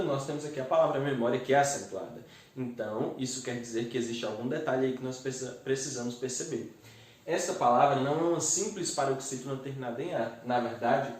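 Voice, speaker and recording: A man teaching grammar step by step and slowly sounding out the syllables of each word. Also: medium pitch, a little mellow. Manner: methodical, spells out syllables slowly. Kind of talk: explaining grammar exercises. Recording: very echoey room, distant mic.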